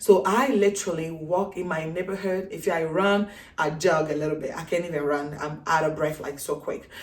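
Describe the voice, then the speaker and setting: Against noticeable background noise, a woman talks at a moderate pace in a fairly low pitch with ordinary pitch variation. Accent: non-native. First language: not English. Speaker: lifestyle vlogger. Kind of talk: casual vlog talk. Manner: animated.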